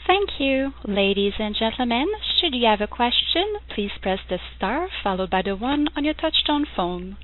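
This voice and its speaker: A woman's voice: a little high, lively intonation, normal speed, few pauses. A woman working as a conference call operator, giving scripted, formal instructions to callers. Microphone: telephone conference line. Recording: narrow tinny phone-line audio.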